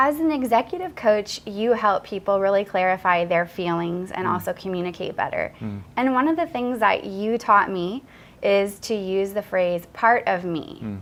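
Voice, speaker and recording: An unremarkable speaking voice from a woman at medium pitch, with lively intonation, a moderate pace and hardly any pauses. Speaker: channel host. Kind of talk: interview question.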